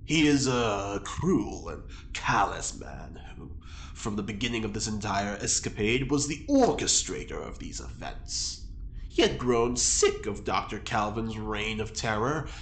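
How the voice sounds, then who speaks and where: Eloquent male convict, lowish voice with big swings, dry and theatrical, audio drama, echoey room. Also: very animated, measured pace, a little hiss or hum. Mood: grandiose. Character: droll, eloquent male prisoner with theatrical flair.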